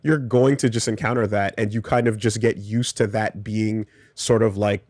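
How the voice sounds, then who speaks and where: A man speaking as a guest on a casual panel discussion, in a measured and thoughtful way with frequent pauses. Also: fairly low pitch, steady tone, darkish tone, no room sound.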